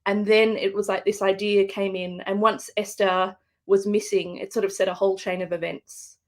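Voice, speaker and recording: A woman's voice: mid-range voice, level tone, moderate pace. An Australian woman, an author, speaking thoughtfully with fillers and restarts in a live book interview over a video call. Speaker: guest author.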